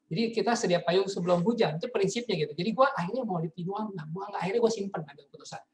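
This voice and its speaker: A man's voice: sits high, fast, a little hiss or hum. A man, telling stories casually as a motivational business speaker on a video call, often turning to address his listeners as friends. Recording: echoey room sound.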